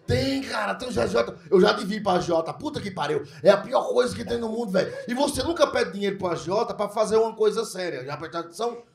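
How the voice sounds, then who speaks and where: A man doing a crude, animated stand-up comedy set, slipping into mock foreign voices as he tells his story. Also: sits high, fast talker, creaky, few pauses, faint music behind. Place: comedy club stage with a live audience. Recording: echoey room, loud crowd laughter.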